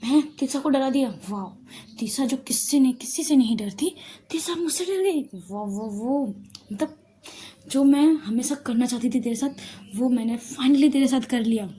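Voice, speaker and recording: A woman's voice: sits high, moderate pace, dark tone, close to an everyday voice. A woman voicing a playful young woman who teases her friend and worries earnestly for her sister. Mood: teasing.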